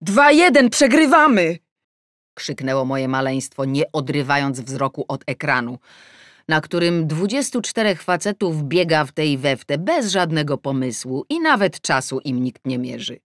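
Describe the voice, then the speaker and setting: A woman's voice: sits low, lively intonation, normal speed, no echo, clean studio sound. A woman reading a first-person story aloud as an audiobook narrator, with a wry, ironic telling.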